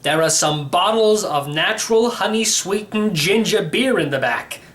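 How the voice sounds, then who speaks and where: Man putting on an eccentric, excitable ancient uncle. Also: high-pitched, moderate pace, voice pushed up. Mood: offhand. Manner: folksy, offhand, stubbornly sure of himself. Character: eccentric 111-year-old great-uncle, breezy and cocksure. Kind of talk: children's audiobook character voice.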